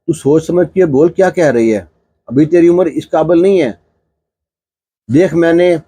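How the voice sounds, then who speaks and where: A man's voice: a little high, warm tone, slightly rough. A man voicing a worried village aunt who scolds and frets about her family's honor in a told story. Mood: scolding. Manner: anxious, scolding.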